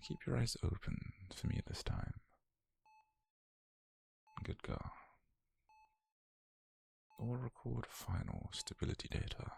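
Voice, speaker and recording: In a whispered ASMR roleplay, a British man plays a detached, clinical scientist murmuring notes on a captive subject. His breathy, gravelly low murmur is exaggerated, measured and softly controlling, with a cold, precise mood.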